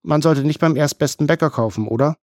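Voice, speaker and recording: A man voicing a brisk, mocking female police chief who needles her colleagues with pointed questions. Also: a little high, a little mellow, no echo, clean studio sound, voice pushed up, lightly acted. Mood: needling.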